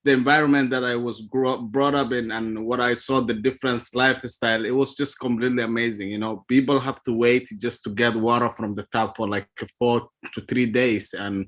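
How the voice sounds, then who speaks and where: A man from Ethiopia speaking on a video call, giving an earnest, halting personal testimony with frequent restarts. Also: mid-range voice, steady tone, fairly bright tone. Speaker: call participant.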